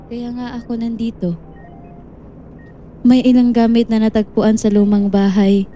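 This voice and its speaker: A woman acting a gentle, guilt-ridden character in a Filipino audio drama, speaking in a measured, confessional way. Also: a little high, monotone, slight background noise, natural voice. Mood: tender, confessional. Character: gentle, guilt-ridden woman confronting a man with memory loss.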